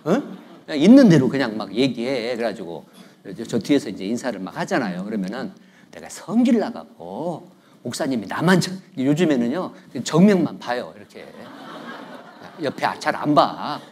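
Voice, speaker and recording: A middle-aged guest pastor delivers a conversational sermon in a church sanctuary, joking, telling stories, and repeatedly prompting the congregation to respond. His medium-pitched voice swings widely, a little mellow and slightly rough, at normal speed.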